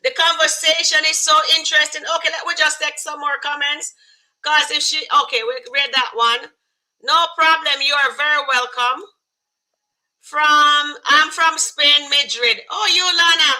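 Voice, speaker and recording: A woman's voice: high-pitched, fairly even intonation, moderate pace, pushed and bright, low-quality recording. A woman from Canada hosting a casual live stream, chatting and reading viewer comments aloud. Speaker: host. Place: home, California.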